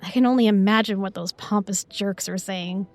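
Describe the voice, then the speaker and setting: A woman's voice: medium pitch, moderate pace, a little mellow, no echo, faint music behind, lightly acted. An actress playing a sassy, irreverent young woman in a fantasy audio roleplay, with a flippant, slangy, unimpressed delivery. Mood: dismissive, bossy.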